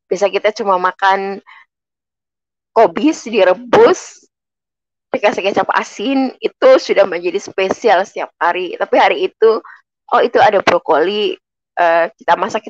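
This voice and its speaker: A woman's voice: medium pitch, dry recording, dull audio. A woman from Indonesia giving an earnest personal faith testimony, speaking to listeners as friends.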